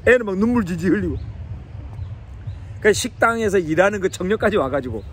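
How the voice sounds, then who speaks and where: A man teaching on a psalm and telling a family story in an animated sermon style, chuckling now and then. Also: sits high, fast talker, slight background noise. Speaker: Bible teacher.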